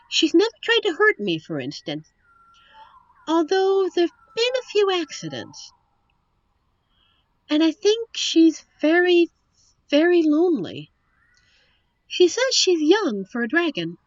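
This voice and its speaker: A woman playing a captive young princess in a roleplay audio drama, witty and wistful, with genteel, formal storybook phrasing and thoughtful pauses. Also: extremely high pitch, very animated, no echo, muffled recording, exaggerated voice. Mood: troubled, fond. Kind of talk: roleplay audio drama, one side of a dialogue.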